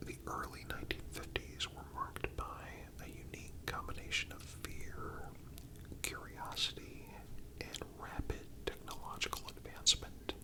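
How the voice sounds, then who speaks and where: A man narrating a scripted documentary-style story as ASMR in a breathy, unvoiced whisper, with deliberate phrasing and frequent pauses. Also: low-quality recording.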